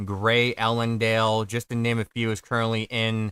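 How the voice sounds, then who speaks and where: This man has a fairly low pitch and a bright, sharp tone at a moderate pace. The recording is very clean, with a silent background and a dry, close sound with no echo. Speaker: weather livestream host. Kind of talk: live commentary. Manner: halting, stuttering.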